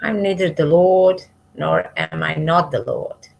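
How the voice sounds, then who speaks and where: A woman reading spiritual verses aloud devotionally, in measured short phrases that trail off softly at the ends. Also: sits low, steady tone, vocal fry. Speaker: reader of spiritual scripture, commenting as she goes.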